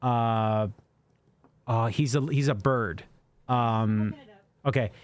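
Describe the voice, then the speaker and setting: A man's voice: medium pitch, steady tone, slow. A man co-hosting a casual livestream, reading out viewer super chats and answering with lots of fillers. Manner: rambling, reads super chats aloud with fillers. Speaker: co-host answering viewer questions. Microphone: studio microphone.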